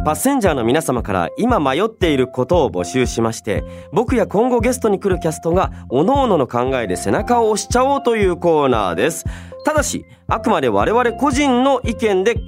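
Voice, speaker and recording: Sitting high in pitch with huge swings, a young man's voice moves at normal speed over faint background music. He hosts a casual solo radio show, musing aloud in a chatty, polite but informal way while going through listener mail.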